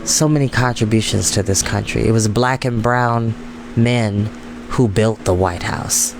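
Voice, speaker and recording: Over a noisy background with gentle meditation music, this storytime host talks at an unhurried pace in a fairly low voice. He's an American man addressing online viewers informally and sincerely, repeating phrases for emphasis.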